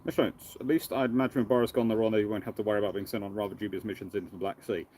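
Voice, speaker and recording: A man hosting a casual live question-and-answer stream, thinking aloud in a halting, rambling way. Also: on the low side, fairly even intonation, darkish tone. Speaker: livestream host, naval historian. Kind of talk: casual live Q&A with off-the-cuff commentary.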